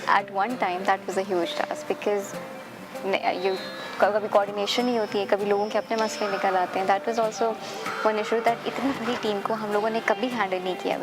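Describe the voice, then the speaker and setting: A woman with a South Asian accent talks very rapidly in an interview. She switches between two languages as she explains, with clear music behind her. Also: medium pitch, rough recording. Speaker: group member. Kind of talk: interview talk switching between Urdu and English.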